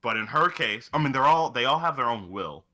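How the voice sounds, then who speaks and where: A man's voice: mid-range voice, expressive, fairly quick, bright, forceful tone. A man talking casually about video games as a co-host, rambling along and swearing freely. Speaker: podcast co-host.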